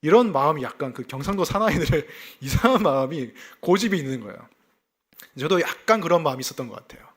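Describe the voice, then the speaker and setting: A man preaching a sermon in a fairly high voice that rises and falls with lively intonation. He explains a scripture passage and asks his listeners rhetorical questions. He is a pastor from South Gyeongsang who weaves in personal stories. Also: fast talker. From South Gyeongsang, South Korea.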